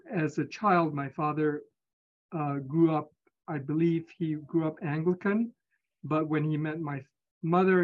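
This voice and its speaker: A man in his fifties from Singapore, a physician answering interview questions in a measured, hesitant way. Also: a little high, phone-quality sound. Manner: measured, hesitant, with many pauses. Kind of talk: conversational interview.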